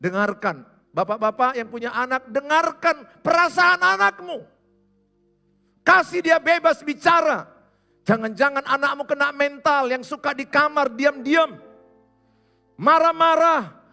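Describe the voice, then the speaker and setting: A male pastor preaching a sermon in a church, animated and speaking straight to his listeners. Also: very high voice, measured pace, gravelly, faint music behind. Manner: animated, acts out scenes, speaks to the listener directly.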